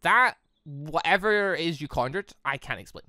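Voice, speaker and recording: A host reading a composed older sister's lines in a quieter, lower, measured voice. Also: animated, no room sound, studio quality. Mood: stern.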